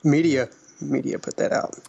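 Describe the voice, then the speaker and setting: Give me a man with a medium-pitched voice, muffled low-fidelity sound, casual podcast co-host chat. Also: fairly even intonation, moderate pace, creaky, mellow, husky.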